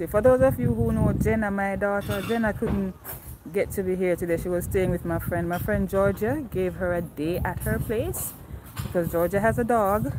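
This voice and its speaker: A woman talks with a dry sound and no echo. Background noise is noticeable. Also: moderate pace. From Jamaica. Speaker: holiday rental host. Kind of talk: casual chat. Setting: restaurant, live stream. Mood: relaxed, friendly. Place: street. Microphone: phone near.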